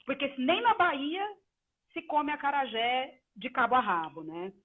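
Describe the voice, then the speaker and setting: A woman's voice: high voice, sing-song, measured pace. Brazilian woman interviewer on phone-like audio. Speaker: journalist, interviewer. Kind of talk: casual live conversation. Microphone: online live call. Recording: tinny phone-like call audio.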